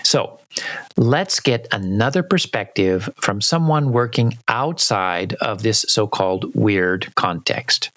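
A man's voice: lowish voice, slow pace, a bit bright, no echo. A man hosting a podcast, who guides the conversation and explains concepts. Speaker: podcast host.

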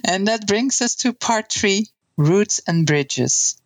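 A woman's voice: mid-range voice, expressive, slow pace, loud music behind the voice. A woman from the Netherlands co-hosting a podcast, narrating steadily and reflecting on her own life. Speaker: podcast co-host. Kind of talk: scripted narration.

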